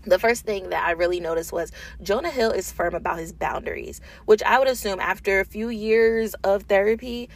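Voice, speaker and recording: A woman's voice: mid-range voice, moderate pace, hardly any pauses. A woman talking casually and informally in an unedited solo podcast, thinking aloud as the host, recorded in a small office booth.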